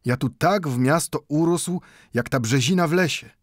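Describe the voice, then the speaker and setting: The mood is pleading as a man portrays an aged Jewish bookbinder for an audiobook, his broken Polish full of "nu" and growing more heated. He sounds natural yet pitched above his own voice, fairly high, at normal speed, in a dry, clean studio recording.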